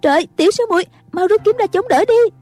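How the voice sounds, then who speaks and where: A woman voicing a brisk, commanding young heroine in a storybook reading. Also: very high voice, expressive, darkish tone, dry recording, faint music behind, voice pushed up. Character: sharp young woman martial heroine, bossy.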